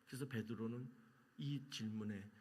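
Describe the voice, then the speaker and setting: A man preaching a sermon as pastor, quizzing the congregation and answering his own questions, moving between loud emphasis and hushed lines. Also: on the low side, normal speed, slight background noise. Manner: asks the congregation questions and answers them himself.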